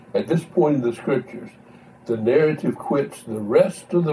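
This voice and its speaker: This man has a fairly high pitch and a dark, mellow tone that comes across somewhat breathy. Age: 70s. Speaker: pastor. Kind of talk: sermon. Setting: church.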